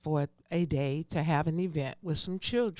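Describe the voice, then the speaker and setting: This woman talks with a Southern US accent and ordinary pitch variation. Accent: US South. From Columbus, Georgia. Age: 70s. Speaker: radio personality and community organizer. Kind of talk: casual interview.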